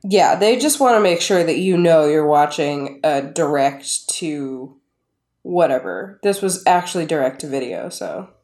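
A woman co-hosting a podcast, giving blunt, emphatic and profane takes on an animated film in casual chat. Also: low-pitched, measured pace. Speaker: podcast co-host.

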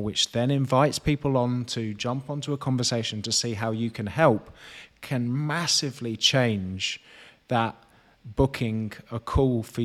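A man's voice: medium pitch, a bit bright. Male host and coach, mid-range voice, conversational advice, explanatory with illustrative quotes. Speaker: host and fitness business coach.

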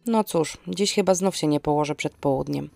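A woman's voice: low-pitched, moderate pace, vocal fry, dark tone, dry recording, soft background music. A woman playing an exasperated, sarcastic young niece in an audio drama, with an ironic, snappish way of speaking. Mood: muttering, ironic. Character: exasperated sarcastic young niece tidying grandmother's forest cottage.

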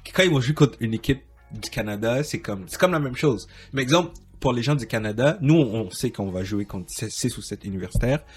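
Husky host, meandering talk, faint music behind. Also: male voice, mid-range voice, animated, fairly quick. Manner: rambling, many restarts and fillers, laughs often. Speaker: podcast host. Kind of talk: casual interview chat.

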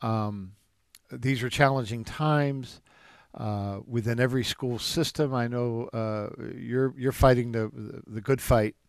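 A man's voice: mid-range voice, fairly even intonation, measured pace, smooth, no echo, clean studio sound. A man who is a jazz drummer and music teacher, answering interview questions in a reflective storytelling way with frequent restarts.

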